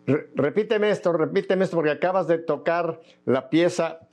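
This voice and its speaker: A man's voice: a little high, normal speed, a little mellow. Emphatic male interview host. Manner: emphatic, pushes the guest to repeat key points.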